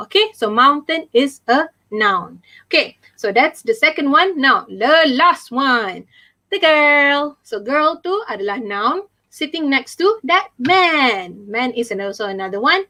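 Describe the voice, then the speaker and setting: A young woman with a Malaysian accent teaching an online English class, mixing in Malay and reading examples slowly with stress. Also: high voice, lively intonation, bright, forceful tone. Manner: chatty, fills with "okay" and "ah". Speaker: English tutor.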